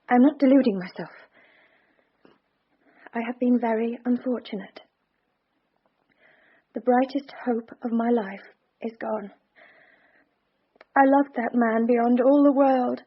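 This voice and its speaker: Young jilted Victorian woman, breathy, higher voice, restrained and earnest; dull radio play sound. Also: measured pace, pauses often. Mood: calm grief. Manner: restrained, earnest, quietly breaking. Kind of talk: radio drama acting.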